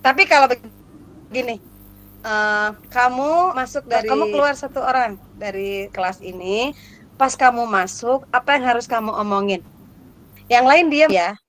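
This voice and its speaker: A woman's voice: fairly high pitch, unhurried, fairly bright tone. A woman gives an interactive workshop lecture to teachers, playful and constantly questioning her audience. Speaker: lecturer for teacher exam prep.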